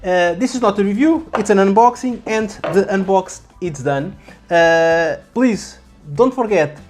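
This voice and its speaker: A vlogger giving casual, halting unboxing commentary and often repeating words. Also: medium pitch. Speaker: YouTube vlogger. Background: background music.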